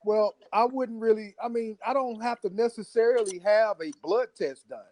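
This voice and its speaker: A man with a high-pitched voice takes part in an informal debate. He speaks in halting phrases and disagrees firmly, sticking to his point. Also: noisy background. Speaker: debate participant.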